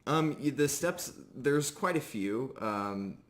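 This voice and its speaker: A man's voice: mid-range voice, lively intonation, takes it slowly. A man improvising narration as game master of a tabletop game, describing scenes in short, hesitant pieces.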